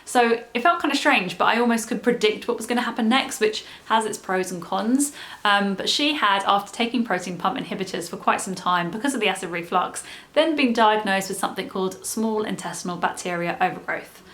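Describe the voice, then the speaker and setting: A woman with a croaky, strained voice, chatting to camera in a casual, explanatory way with lots of fillers. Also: mid-range voice, fairly quick, fairly bright tone. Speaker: vlogger.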